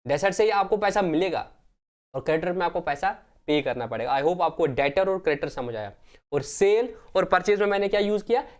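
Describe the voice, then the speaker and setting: A man's voice: high-pitched, lively intonation, fairly quick. Man teaching, quizzing himself aloud. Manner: repeats key terms, asks and answers his own questions; addresses students as friends. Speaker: accounting teacher. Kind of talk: classroom lecture, Hindi mixed with English terms.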